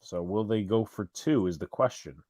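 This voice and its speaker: A New York–accented live stream co-host talks with a voice on the low side, a little mellow, at a moderate pace, in a dry recording. He handles casual play-by-play and fan chat, rambling and often correcting himself.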